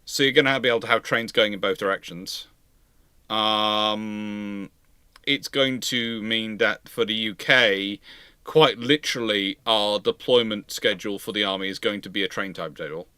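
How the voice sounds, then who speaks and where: A man with a bright, forceful voice hosts a casual panel. He explains his reasoning in a measured way, and the recording is close and dry. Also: on the low side, smooth, dry recording. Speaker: panel host answering viewer questions. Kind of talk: casual speculative discussion.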